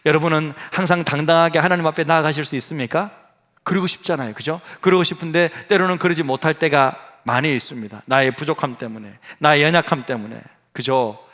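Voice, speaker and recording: A middle-aged man, a senior pastor, preaching a lively sermon in a church, teasing the congregation and acting out quoted voices. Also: a little high, fast talker. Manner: animated, playful, acts out quoted voices, asks the congregation questions. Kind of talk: lively sermon with acted asides. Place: church sanctuary.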